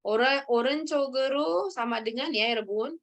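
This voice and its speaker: A woman teaching a language lesson, ending phrases with quick check-ins to her students. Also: sits high. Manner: tags sentences with "ya" and calls on students.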